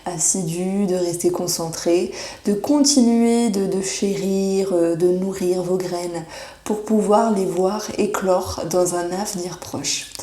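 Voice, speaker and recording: A woman giving a monthly horoscope tarot reading, reassuring and often pausing with fillers as she searches for words. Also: lowish voice, steady tone, dark tone. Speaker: tarot reader. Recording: echoey room.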